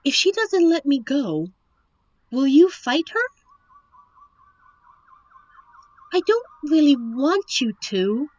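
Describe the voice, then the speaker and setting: A woman playing a captive young princess in a roleplay audio drama, witty and wistful, with genteel, formal storybook phrasing and thoughtful pauses. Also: high voice, sing-song, darkish tone, no room sound, dull audio. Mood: troubled, fond. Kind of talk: roleplay audio drama, one side of a dialogue.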